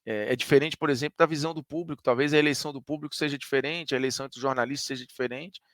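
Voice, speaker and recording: A male sports commentator with a Northeastern Brazilian accent talks through his opinions in an emphatic, conversational way. His pitch sits in the middle range for a man. The recording is dry and close, with no room sound. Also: steady tone, racing, fairly bright tone, no room sound. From Ceará, Brazil. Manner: emphatic, conversational, argues point by point.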